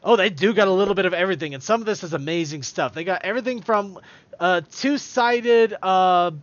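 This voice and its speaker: A high-voiced man hosts a podcast, rambling through casual chat and tripping over his own words. The sound is dry and close, with a slightly dull, lo-fi tone from a stream. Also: fairly quick, no echo. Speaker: podcast host.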